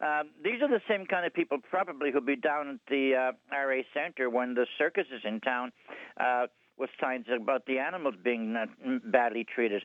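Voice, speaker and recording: A man with a Newfoundland accent at medium pitch, moderate pace and lively intonation. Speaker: caller. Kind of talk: call-in. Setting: phone call.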